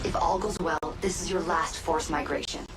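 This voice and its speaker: An actress playing a businesslike covert team leader in a video game, giving urgent briefings. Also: female voice, fairly low pitch, steady tone, moderate pace, close to an everyday voice, rough recording. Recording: loud music behind the voice.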